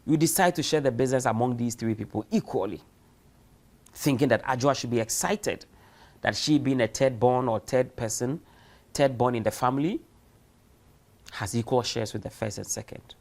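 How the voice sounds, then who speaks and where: A man delivers a recorded university lecture for distance learners in a mid-range, darkish voice with vocal fry, keeping a normal speed but leaving long pauses. His manner is emphatic, full of rhetorical questions and acted-out examples.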